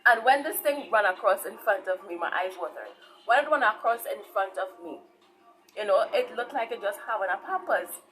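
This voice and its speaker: An online preacher and channel host with a Caribbean accent, originally from Saint Vincent and brought up in Trinidad, shares informal testimony, repeating herself and regularly checking in with listeners. Her voice is medium-pitched, expressive, and fairly bright at a moderate pace, over soft background music in a low-quality recording.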